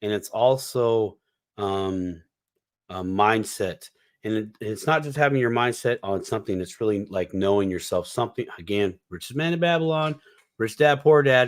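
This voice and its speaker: A man with a medium-pitched voice and lively intonation at a moderate pace, on a very clean recording with a silent background. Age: 40s. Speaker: crypto commentator. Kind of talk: casual podcast chat. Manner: halting, many restarts.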